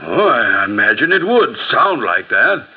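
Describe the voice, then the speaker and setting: Casting: man as a self-important inept policeman, husky, swooping pitch, dull old recording. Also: sing-song, a little slow. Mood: defensive. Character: pompous bumbling male Paris gendarme. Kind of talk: radio play acting.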